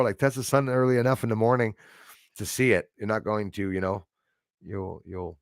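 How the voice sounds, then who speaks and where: A man from Quebec, Canada, hosts a casual livestream, reading chat aloud and rambling with plenty of fillers in a Quebec English accent. His mid-range voice comes through at studio quality with no echo.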